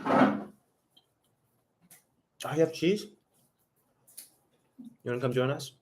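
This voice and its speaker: A man's voice: mid-range voice, slow. A man hosting a casual live stream, talking loosely to viewers in the chat while he eats. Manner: loose, rambling, talks straight to viewers in chat. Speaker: livestream host.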